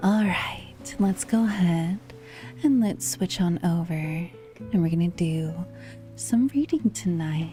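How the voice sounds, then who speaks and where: Over music in the background, a woman speaks at a very slow pace and fairly low pitch, with very wide pitch swings. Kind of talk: ASMR livestream, casual talk to chat. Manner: soft-spoken.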